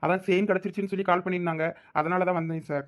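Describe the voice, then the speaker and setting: Casting: man as earnest, respectful cartoon son, high-pitched male, extremely quick talker, Thoothukudi Tamil accent. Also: fairly even intonation, close to an everyday voice. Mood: polite, earnest. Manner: respectful, explanatory. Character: polite, dutiful young son. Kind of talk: cartoon village drama dialogue.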